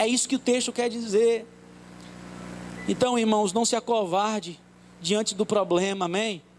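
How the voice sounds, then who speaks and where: A man talks at a moderate pace. His pitch is high and his intonation fairly even. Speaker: pastor. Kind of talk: sermon.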